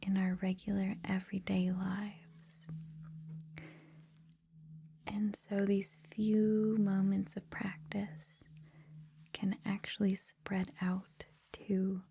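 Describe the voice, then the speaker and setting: A woman speaks in a soft, extremely breathy ASMR whisper. Her delivery is slow and even, with little rise or fall. The tone is mellow, gentle and informal, reassuring the listener as a host would. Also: medium pitch. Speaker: ASMR host introducing a meditation series.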